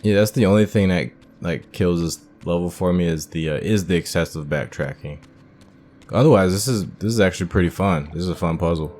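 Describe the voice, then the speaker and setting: A man's voice: sits low, brisk, a little mellow. A man giving casual commentary as the host of a video game playthrough.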